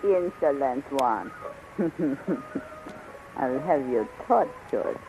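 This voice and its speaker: A woman's voice: very deep voice, expressive, very slow, over loud music, exaggerated voice. A woman playing a haughty, seductive, cruel princess with imperious, languid delivery in a 1930s radio serial. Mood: amused, threatening. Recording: muffled 1930s radio recording.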